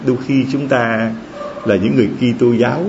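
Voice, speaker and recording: A male Catholic priest preaching a sermon in an animated way, asking rhetorical questions and acting out quotes. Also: medium pitch, brisk, gravelly, lo-fi sound, background noise.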